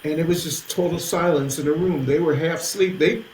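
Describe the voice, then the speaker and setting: A man in his sixties, a musician guest telling animated stories in conversation, acting out other people's voices along the way. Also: on the high side, fairly quick, slight background noise. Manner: lively, acts out others' voices in anecdotes. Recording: echoey room.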